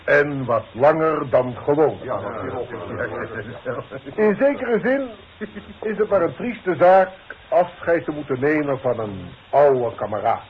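Pompous boss making speeches, kinda high voice, swings up and down a lot, old radio drama sound. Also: male voice, big pitch swings, slow. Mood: ceremonious. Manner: solemn, pompous, oratorical. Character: formal, paternal boss giving a ceremonial farewell speech. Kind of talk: 1960s radio drama acting. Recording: dull 1960s radio recording.

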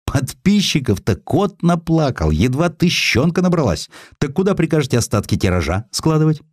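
A scheming male office secretary from a historical audiobook, voiced by a male narrator, speaks well up in pitch. He sounds gleeful and insinuating, with swooping intonation as he needles his boss. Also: very animated, normal speed, darkish tone, no echo, clean studio sound.

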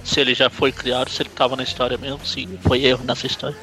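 A man's voice: medium pitch, level tone, fast talker, bright, forceful tone, faint music behind. A Brazilian man with a Brazilian Portuguese accent, co-hosting a casual comic book podcast, joking and adding trivia he looks up. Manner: jokey, looks things up, adds trivia. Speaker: podcast co-host.

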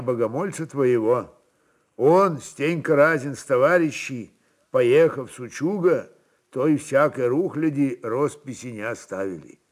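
A man's voice: mid-range voice, voice pushed up, natural voice. Guy doing a grumbly old bishop, pious and plaintive, drags words out, radio play. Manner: drawn-out, churchly, plaintive. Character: aggrieved old male metropolitan, pious and querulous.

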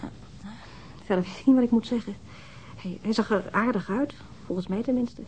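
An actress playing a guarded, halting, middle-aged widow in a naturalistic radio drama. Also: female voice, fairly high pitch, darkish tone, slight background noise, close to an everyday voice, low-quality recording. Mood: halting, wistful. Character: guarded, widowed older housewife who minds children.

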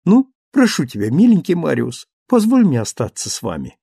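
A man's voice: on the high side, moderate pace, gravelly, slightly rough, no echo, clean studio sound, voice pushed up, exaggerated voice. A man voicing a playful, petulant young wife who coaxes and pouts. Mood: pouting, coaxing. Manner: coaxing, pouting, lively.

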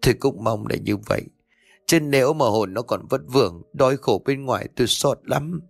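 A man's voice: medium pitch, normal speed, gravelly, no echo, soft background music. A man voicing a sorrowful middle-aged mother mourning her daughter, weary and complaining about her husband. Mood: grieving.

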